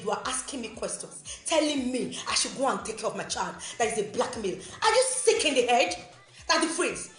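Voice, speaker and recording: A woman's voice: high voice, a bit bright, echoey room. A woman making an angry, confrontational appeal as a mother, repeating her phrases as she hammers her points home. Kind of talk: angry recorded video rant.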